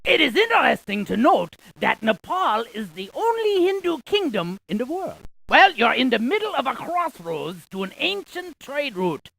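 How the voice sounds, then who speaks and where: A woman's voice: sits high, sing-song, moderate pace, creaky, few pauses, fairly bright tone, no echo, full character voice. A woman playing a quirky, chatty scientist in an educational game, delivering facts with theatrical emphasis and wordplay. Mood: chatty, informative. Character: quirky, chatty female scientist spouting geography trivia. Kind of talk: animated educational game character lines.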